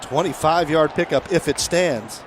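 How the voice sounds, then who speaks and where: Guy doing football play-by-play, kinda high voice, clear crowd noise behind him. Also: measured pace. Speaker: play-by-play announcer. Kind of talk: live American football commentary.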